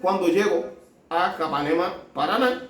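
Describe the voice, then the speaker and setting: A man with a Cuban Spanish accent telling his story as a doctor, halting often and mixing Spanish with Portuguese. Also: high-pitched, expressive. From Cuba. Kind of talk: casual storytelling. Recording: echoey room, mic at a distance.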